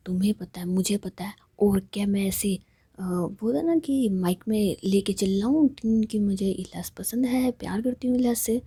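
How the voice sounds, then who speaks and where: A woman voicing a stubborn young woman in love who keeps apologizing, speaking in a soft half-whisper. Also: medium pitch, moderate pace, slightly rough, dry recording.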